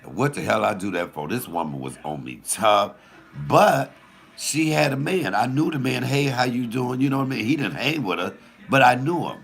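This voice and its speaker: A deep, gravelly male voice with lots of swing in his pitch. He tells a raunchy story in a loose, profane way, laughing at his own punchlines as he goes. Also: expressive, moderate pace, a bit bright. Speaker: comedian host. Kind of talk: casual storytelling.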